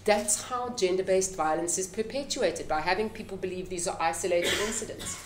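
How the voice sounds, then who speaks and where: A woman's voice: fairly low pitch, fairly quick, a little hiss or hum. A middle-aged woman from South Africa with a South African accent, speaking emphatically as an activist on a press conference panel. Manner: impassioned, emphatic. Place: press club conference room. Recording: echoey room.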